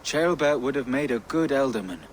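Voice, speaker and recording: A man playing a pious, grieving Christian bishop in a video game, speaking solemnly and deliberately. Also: medium pitch, lively intonation, slight background noise, close to an everyday voice.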